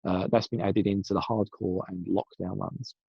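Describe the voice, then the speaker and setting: A man talks casually with a rough, husky voice that comes from a sore throat, wandering and correcting himself as he goes. His voice sits low and gravelly. The recording is dull and dry, like a lo-fi home mic. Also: little pitch movement, normal speed, mellow, no room sound. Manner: chatty, rambling, self-correcting. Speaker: podcast guest segment presenter. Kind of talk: casual pre-recorded segment.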